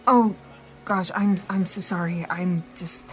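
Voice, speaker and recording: An actress playing a wry, brisk law officer in naturalistic audio drama dialogue. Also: female voice, fairly low pitch, fairly even intonation, soft background music. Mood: flustered. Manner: wry, teasing, conversational.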